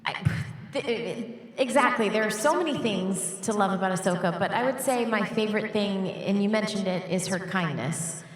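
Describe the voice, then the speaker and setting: A woman's voice: medium pitch, moderate pace. A woman guest on a convention panel, talking earnestly about a character she loves. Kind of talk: casual panel chat. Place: large convention hall. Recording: echoey hall from far off.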